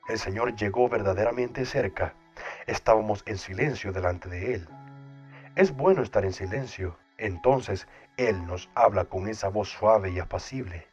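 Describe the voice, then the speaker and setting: A man reading a first-person account aloud in a solemn, devotional manner. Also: on the low side. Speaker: audiobook narrator. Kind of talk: scripted first-person narration. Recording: dull lo-fi sound with soft music behind. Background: soft background music.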